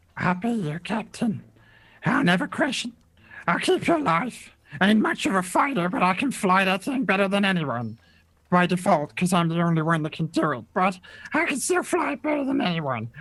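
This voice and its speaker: This put-on character voice sits at a middle pitch yet makes very wide pitch swings. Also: moderate pace. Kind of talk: comic fantasy character voice. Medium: actual play. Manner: fast, excited, rambling.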